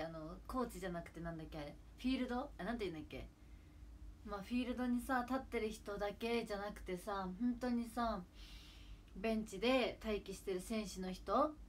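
A woman's voice: mid-range voice, a little hiss or hum. A young woman from Kagawa, Japan, hosting an idol livestream, chatting casually and gushing to viewers on a close phone mic.

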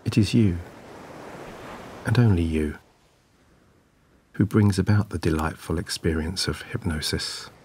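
A man narrating a scripted guided sleep meditation in a soothing, gentle, measured way. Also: low voice, a little hiss or hum. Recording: clear background ambience of waves. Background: relaxing ocean wave sounds.

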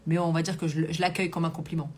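A woman's voice: low voice, flat delivery, racing, a little mellow, slight background noise. A woman coach hosting a live stream, chatting casually, reading comments aloud and talking with many fillers. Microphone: Bluetooth hands-free earpiece.

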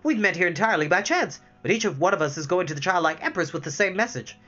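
A storybook reader voicing a tiny, cheerful little man who chirps out his words briskly. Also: medium pitch, animated, bright, forceful tone, dull audio, faint music behind, pitched above the performer's own voice. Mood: chirpy. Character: tiny cheerful male rider in a top hat.

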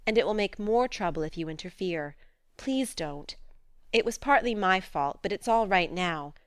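Woman voicing a spirited teen girl, earnest, frank, smooth tone, dry sound. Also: mid-range voice, dry recording, close to an everyday voice. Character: spirited outspoken teenage girl.

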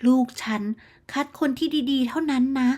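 A woman voicing a boastful, gossiping middle-aged neighborhood auntie in a storybook tale, with a shrill, smug, bragging manner. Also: animated, moderate pace, darkish tone. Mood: smug boasting. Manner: smug, shrill, bragging about her daughter. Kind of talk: storybook character voice.

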